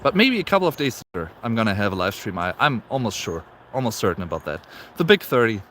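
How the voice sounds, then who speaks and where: A man's voice: lowish voice, sing-song, fast talker, a bit bright, slight background noise. A man in his late twenties with a German accent, chatting casually in a live stream while out walking in the snow and reading viewer comments aloud. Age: 20s. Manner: chatty, reads viewer comments aloud, frequent fillers and repeats. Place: outdoors on a snowy walk.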